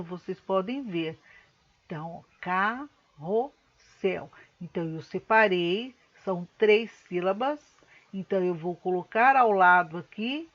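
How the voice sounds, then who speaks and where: A woman teacher giving a recorded lesson, patiently explaining step by step and slowing words down to split them into syllables. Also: medium pitch, highs cut off. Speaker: schoolteacher.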